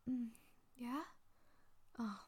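A woman playing a doting older sister in an intimate audio roleplay, speaking softly and often in a whisper, hesitant and reassuring. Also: fairly high pitch, steady tone, extremely slow, slightly rough, full character voice. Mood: tender.

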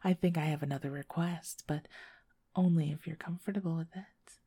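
A young woman in an intimate audio roleplay, talking softly and coaxingly and often whispering close to the microphone. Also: low-pitched, steady tone, moderate pace, breathy edge, no room sound.

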